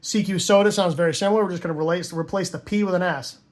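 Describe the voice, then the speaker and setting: An amateur radio hobbyist with a noticeably high voice teaches Morse code in a casual tutorial style, talking to newcomers quickly and with fairly even intonation. He keeps checking that listeners follow along, tossing in tags like "right?" and "okay?"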